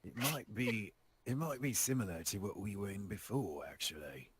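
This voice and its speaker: A man voicing a classy, cautious zombie adventurer in a tabletop game, with a dry, measured, understated manner. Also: on the low side, animated, a crowd in the background, close to an everyday voice. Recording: clear background noise.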